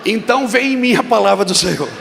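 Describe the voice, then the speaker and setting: A man preaching at a church conference, telling a story and then shouting emphatic declarations to the congregation. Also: sits high, animated, fast, creaky, background noise. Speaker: pastor. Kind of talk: sermon with storytelling. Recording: long reverb of a large hall with music.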